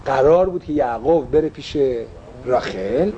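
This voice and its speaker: A man's voice: medium pitch, animated, mellow, muffled recording, a little hiss or hum. Man teaching a casual Torah class. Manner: mixes English phrases into speech, asks the class questions. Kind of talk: casual religious lesson.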